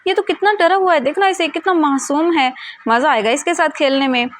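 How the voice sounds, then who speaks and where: A woman voicing sleazy, menacing young men who taunt slowly and smugly. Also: high-pitched, slight background noise, voice pushed up, lightly acted. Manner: slow, smug, taunting.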